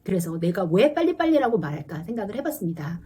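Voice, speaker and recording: A woman in her forties, a teacher and mother, talking earnestly to camera about parenting and acting out quick exchanges with her child. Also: medium pitch, sing-song, dark tone, husky. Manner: earnest, confiding, acts out dialogue with her child. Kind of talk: casual parenting talk to camera.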